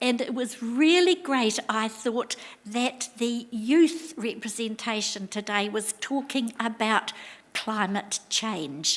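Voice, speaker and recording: Over noticeable background noise, a woman with a New Zealand accent speaks very slowly at a fairly high pitch with lively intonation. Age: 80s+. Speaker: member of the public making a submission. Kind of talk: public hearing submission. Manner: halting.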